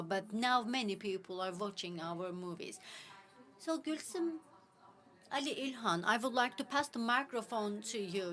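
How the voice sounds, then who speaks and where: A woman giving a simultaneous interpretation of a panel talk in a measured, halting way, with frequent filler words. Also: mid-range voice, a bit bright.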